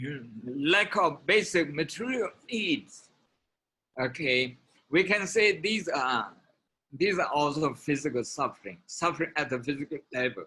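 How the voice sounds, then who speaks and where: A man talks loudly at a fairly high pitch. He moves at a fairly slow pace with lively intonation. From Shan State, Burma. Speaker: Buddhist monk teacher. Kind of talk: lecture. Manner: loud, projecting without microphone; halting, many fillers. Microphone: no microphone, unamplified.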